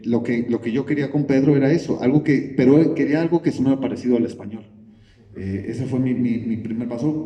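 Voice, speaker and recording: A man's voice: medium pitch, dark tone, lo-fi sound. A man, a film director, answering at a press conference, thinking aloud with many restarts. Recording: echoey room, from a distance.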